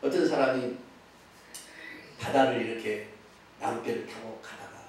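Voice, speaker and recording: A man preaching a sermon as pastor, with a regional Korean accent, swinging between loud exclamations and hushed asides. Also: mid-range voice, normal speed, a little hiss or hum. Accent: Korean regional dialect. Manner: animated preaching with sudden loud exclamations and drops to near-whispers. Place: church sanctuary. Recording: echoey church sanctuary, from far off.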